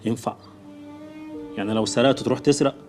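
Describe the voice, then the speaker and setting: A man's voice: medium pitch, steady tone, a little mellow, lightly acted. An actor playing a street-smart man who lectures and coaxes a younger relative in a television drama. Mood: scolding. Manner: fast, scolding, coaxing. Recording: TV drama with music behind.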